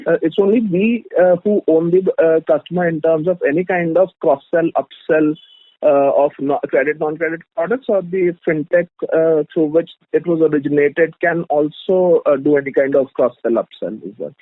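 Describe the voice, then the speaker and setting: A fairly high male voice, heard over a dry, narrow phone line. He is an analyst putting questions politely, in halting phrases. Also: dry recording. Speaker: caller, financial analyst. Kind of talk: asking questions on an earnings call.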